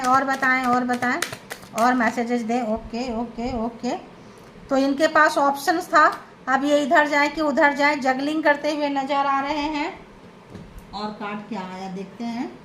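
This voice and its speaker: A woman with a high voice reads tarot cards for her viewers. She talks dramatically and repeats herself, addressing the listener directly. A faint hum of noise sits behind her. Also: pushed and bright. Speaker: tarot reader. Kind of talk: tarot reading to camera.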